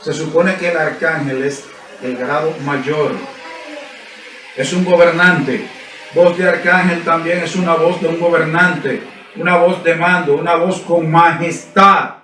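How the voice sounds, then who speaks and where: A man preaches a sermon in a high, ringing voice. He builds his points through emphatic repetition and rhetorical questions to the congregation. The sound is roomy and echoing, caught by a mic some distance away. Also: fairly even intonation, a little slow, pushed and bright. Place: church service.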